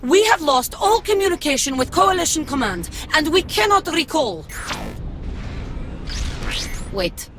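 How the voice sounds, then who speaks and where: Dostya, a guarded cyborg commander. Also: female voice, high voice, big pitch swings, a little slow, pauses often, noisy background. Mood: urgent. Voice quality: formal, clipped, precise. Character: female cyborg commander, cold, guarded, distrustful. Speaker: allied commander. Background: game score music.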